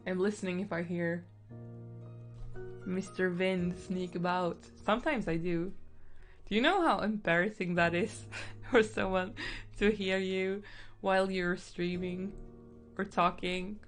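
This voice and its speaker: A young woman streaming while she paints, chatting casually and thinking out loud, with lots of fillers and giggles. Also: fairly low pitch, steady tone, measured pace, pauses often. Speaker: artist streaming a painting session. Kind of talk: casual stream-of-consciousness chat. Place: indoors at home. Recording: faint background music.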